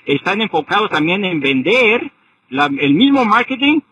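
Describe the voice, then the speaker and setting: Older Mexican caller with a husky voice, rambling sports opinions. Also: male voice, high voice, sing-song, moderate pace, bright, forceful tone, no echo, lo-fi sound. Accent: Mexican, Jalisco. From Jalisco, Mexico. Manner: rambling, repeats "ok?". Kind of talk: heated sports call-in talk. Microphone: phone while driving.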